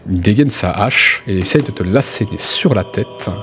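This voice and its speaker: Low-voiced man running a tabletop game. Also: expressive, normal speed, fairly bright tone, soft background music. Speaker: game master. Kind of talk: improvised narration of a tabletop role-playing game.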